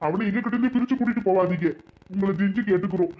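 A man voicing an older father-in-law with a southern Tamil Nadu accent, gruff and weary. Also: sits high, rapid-fire, close to an everyday voice. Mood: pleading. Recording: dull lo-fi sound.

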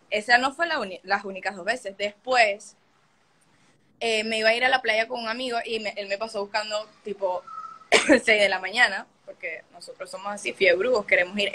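A woman's voice: mid-range voice, bright, forceful tone. A young woman, hosting a livestream and telling a story casually and animatedly, swearing often and acting out the scenes. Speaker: livestream host.

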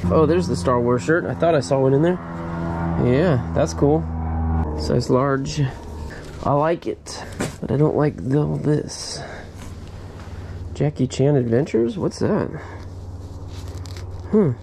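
A middle-aged man, a storage unit reseller, chatting casually through an unboxing, bursting into excited exclamations over his finds, recorded on a head-mounted camera in a storage unit. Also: fairly high pitch, slow, pauses often, noisy background. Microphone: head-mounted action camera.

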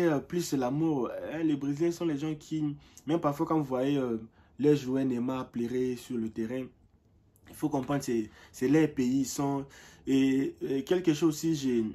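A young man telling stories in a casual vlog, animated and often repeating words while he searches for the next one. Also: mid-range voice, husky. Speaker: vlogger. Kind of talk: casual vlog talk to camera.

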